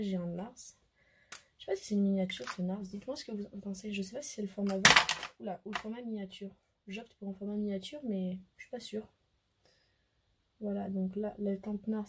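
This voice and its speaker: Hoarse French woman, beauty vlogger, casual hesitant chat to camera, mid-pitched, faint hiss behind. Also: mellow. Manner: chatty, hesitant, many fillers. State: hoarse, losing her voice.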